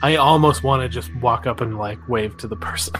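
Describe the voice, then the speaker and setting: A man's voice: medium pitch, brisk, over music. A man playing a tabletop game, talking casually and tentatively as he thinks aloud.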